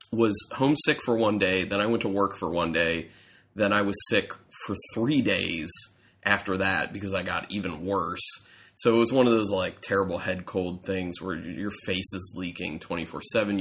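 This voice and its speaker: Male co-host, deep and stuffy-nosed, casual rambling chat. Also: a bit bright. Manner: rambling, self-correcting storyteller. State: congested, stuffy from a cold. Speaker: podcast co-host.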